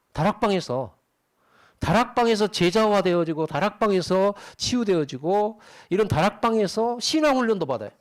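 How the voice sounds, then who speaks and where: A middle-aged male pastor giving a sermon in a conversational, animated way, often asking the congregation rhetorical questions. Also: high voice.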